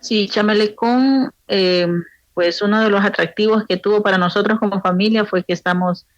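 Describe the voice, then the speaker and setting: A woman from Honduras with a Honduran accent, a pastor answering interview questions thoughtfully, with frequent pauses and restarts. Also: mid-range voice, steady tone, no echo, lo-fi sound. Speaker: pastor's wife and guest.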